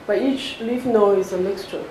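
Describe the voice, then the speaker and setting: A woman giving a technical research talk, explaining step by step and often checking with a quick "right?". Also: mid-range voice, a little mellow, a little hiss or hum, low-quality recording. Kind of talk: technical lecture with questions from listeners.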